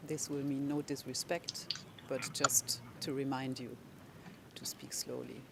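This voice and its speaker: A lawyer for victims in a courtroom, speaking slowly and deliberately while explaining procedure and questioning a witness. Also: medium pitch, little pitch movement, creaky, heavy background noise. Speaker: legal representative of victims.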